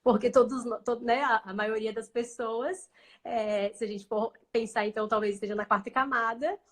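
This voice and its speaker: A woman's voice: fairly high pitch, steady tone, moderate pace. A woman, a guest in a casual live-stream conversation, speaking thoughtfully and often restarting her phrases.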